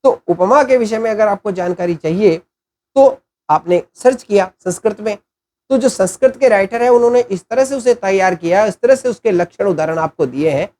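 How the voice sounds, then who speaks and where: Man giving a deliberate spoken lesson. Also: high voice, a little mellow. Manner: deliberate, explanatory, poses rhetorical questions and answers them. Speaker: channel host explaining content writing.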